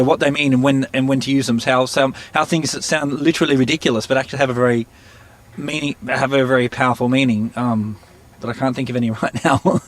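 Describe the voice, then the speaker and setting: A man telling stories in an interview, halting and searching for words, often laughing. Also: medium pitch, no room sound. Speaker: interviewee, musician. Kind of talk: casual storytelling interview.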